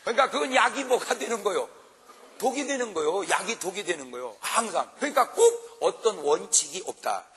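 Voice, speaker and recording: Male revival pastor, animated preacher with a sharp, forceful tone, recorded live in a reverberant church. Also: high voice, moderate pace. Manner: animated, jokes and acts out quarrels for the congregation. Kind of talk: revival sermon. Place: large church revival meeting.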